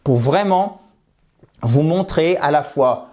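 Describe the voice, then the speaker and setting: A French man teaching English vocabulary. He switches between chatty explanations and slow, drilled repetition of words. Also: on the high side, lively intonation, darkish tone. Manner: slows down to model words, drills pronunciation; chatty, asks rhetorical questions. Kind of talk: vocabulary lesson.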